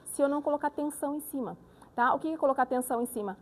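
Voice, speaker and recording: Racing along in a high-pitched voice, a woman speech therapist gives an animated, demonstrative live lecture with voice exercises, regularly checking in with the audience.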